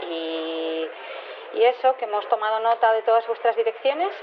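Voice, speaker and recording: Apologetic scientist's voicemail for audio fiction: Castilian, halting, lo-fi sound with background noise. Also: female voice, a little high, lively intonation. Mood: apologetic, hesitant. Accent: Castilian Spanish. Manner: hesitant, explanatory. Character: apologetic, hesitant female laboratory worker. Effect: voicemail message. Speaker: lab worker leaving a voicemail. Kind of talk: naturalistic audio drama voicemail. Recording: dull, noisy voicemail recording.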